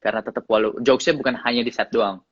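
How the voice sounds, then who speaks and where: A man's voice: mid-range voice, racing, no echo, lo-fi sound. Chatty man with a slight English accent. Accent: slight English accent in his Indonesian. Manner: relaxed, chatty, mixes English into his speech, laughs often. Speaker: actor guest. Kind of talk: casual interview chat.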